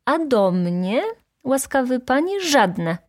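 A woman voicing a hot-tempered, indignant poor young male student who shouts in outrage. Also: mid-range voice, expressive, measured pace, pitched above the performer's own voice.

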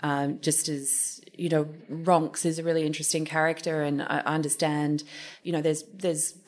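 A woman moderating a panel discussion, leading with measured questions. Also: sits low, level tone.

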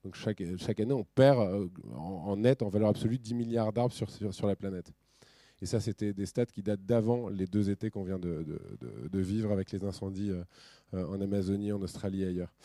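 A man's voice: on the low side, fairly quick, no echo. Man giving a casual conference talk. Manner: casual, animated, with many fillers and restarts; colloquial and ironic asides. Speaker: speaker at a business talk.

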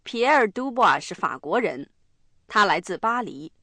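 A woman hosting a radio English lesson, explaining phrases in a clear, instructive way. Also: mid-range voice, big pitch swings, normal speed, pushed and bright, dry recording. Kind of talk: scripted lesson narration.

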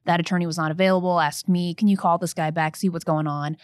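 Woman attorney telling a story, low voice. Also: steady tone, fast talker, smooth, dry recording, clean studio sound. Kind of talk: conversational podcast storytelling.

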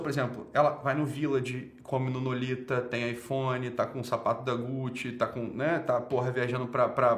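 A man with a Brazilian accent on a live stream who swears constantly, laughs loudly and mocks his viewers. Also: mid-range voice, roomy sound. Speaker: livestreamer. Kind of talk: profane rant and lecture on a live stream.

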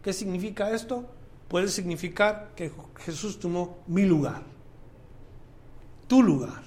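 Male pastor, high-pitched, emphatic sermon delivery with loud peaks and soft drops. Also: unhurried. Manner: preaching with rising emphatic bursts and quiet drops.

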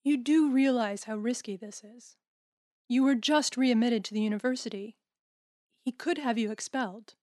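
A woman plays a caring female campus counsellor in an audio drama. Her voice sits a little high and is closely recorded without room sound. She speaks in a measured, gently probing way. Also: no echo, studio quality, lightly acted. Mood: concerned. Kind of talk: audio drama acting, naturalistic dialogue.

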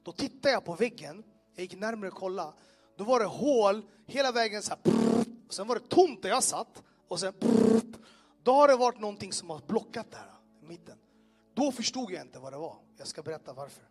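Faint music underscores a high-voiced man as he tells a roomful of listeners his personal testimony. His delivery is animated and vivid, peppered with sound effects and direct questions to the audience.

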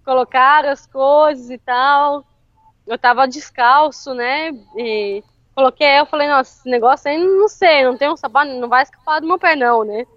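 A woman telling a story in casual chat, animated and often laughing. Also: sits high, moderate pace, no echo, lo-fi sound. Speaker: interview guest.

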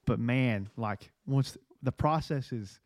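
A man's voice: medium pitch, takes it slowly, dry recording, studio quality. A man hosting a Christian podcast, speaking casually with lots of fillers like "like" and "man". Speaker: podcast host. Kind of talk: casual faith podcast talk.

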